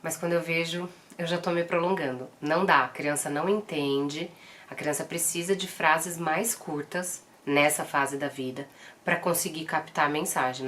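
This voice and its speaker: A woman's voice: deep voice, a bit bright. A woman in her thirties with a Brazilian Portuguese accent, a mother giving earnest, direct parenting advice in a casual vlog. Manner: earnest and direct, firm when quoting commands.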